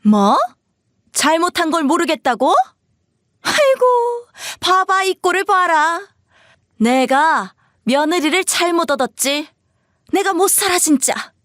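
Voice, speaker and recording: A woman voicing a shrill scolding mother-in-law. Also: expressive, moderate pace, fairly bright tone, no room sound, studio quality. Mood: scornful scolding. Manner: scolding, sneering. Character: bossy scornful middle-aged mother-in-law, shrill and scolding.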